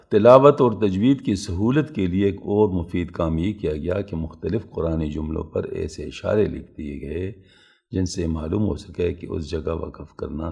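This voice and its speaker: A man's voice: low voice, gravelly, warm tone, slightly rough. A man giving a patient, methodical religious lesson, explaining step by step with everyday examples. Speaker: religious teacher.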